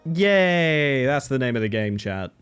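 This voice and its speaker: A man streaming a video game, slightly hoarse, talking to his chat in an animated, joking way. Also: mid-range voice, unhurried, faint music behind. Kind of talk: casual live-stream chat.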